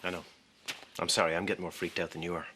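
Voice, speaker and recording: A man's voice: sits low, little pitch movement, quick pace, noisy background, lightly acted. An actor playing a volatile, frightened young man who talks in an agitated, threatening way. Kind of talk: TV soap drama acting.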